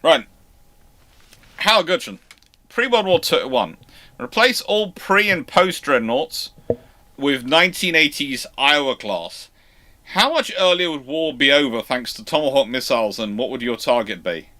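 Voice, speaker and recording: A man's voice: mid-range voice, expressive, bright, forceful tone. A man hosting a casual live question-and-answer chat, stammering through false starts and repeating himself. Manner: halting, stammering false starts and self-repetition.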